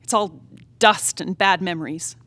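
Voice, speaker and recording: A woman acting a wilful, discontented young married woman in a period stage drama, in a reflective, halting, emotive soliloquy. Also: fairly low pitch, fairly bright tone, no room sound. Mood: brooding. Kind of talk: theatrical play reading, period drama monologue. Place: theatre stage, live play reading.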